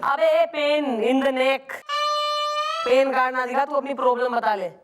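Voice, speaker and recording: An actress playing a bossy, sharp-tongued police officer, blunt and mocking. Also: female voice, high voice, steady tone, a little slow. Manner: blunt, mocking, rural dialect.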